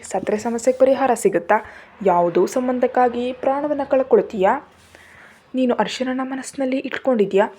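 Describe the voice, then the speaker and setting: A tender, comforting grandmother in a storybook tale, her voice mellow and a touch high, as a woman reads her part. She speaks gently and reassuringly. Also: husky. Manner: soothing, reassuring. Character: loving elderly grandmother.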